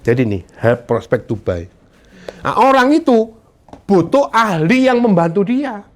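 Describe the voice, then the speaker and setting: A man runs a motivational sales session. His somewhat high voice swings widely in pitch as he jokes and acts out conversations with clients. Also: measured pace. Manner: lively, joking, acts out client dialogues. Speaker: insurance sales trainer. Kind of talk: motivational training talk to a live audience.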